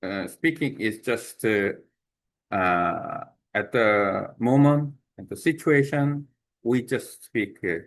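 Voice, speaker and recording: Slow, halting Korean-accented man. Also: fairly low pitch. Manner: halting, many fillers and restarts. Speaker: language exchange speaker. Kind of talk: unscripted talk to camera.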